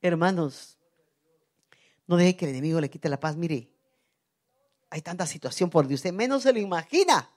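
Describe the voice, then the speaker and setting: Mujer guatemalteca de mediana edad, voz un poco baja, que predica en un templo con intensidad cambiante, entre susurros cercanos y gritos de júbilo. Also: female voice, fairly low pitch, animated, normal speed, pauses often. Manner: fervent, swings from soft asides to loud cries. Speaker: preacher. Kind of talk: sermon. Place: church.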